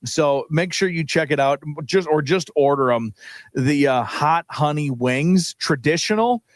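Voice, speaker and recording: Excitable male radio co-host, laughing storyteller. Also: fairly high pitch, unhurried, dry recording. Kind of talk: casual sports radio chat. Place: radio studio.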